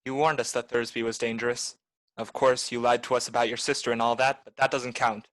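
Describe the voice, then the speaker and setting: A man's voice: medium pitch, level tone, a little fast, a bit bright, no room sound, close to an everyday voice. A man playing a wry, cynical private detective in a 1940s-style radio noir, talking in clipped slang. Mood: cool, sardonic.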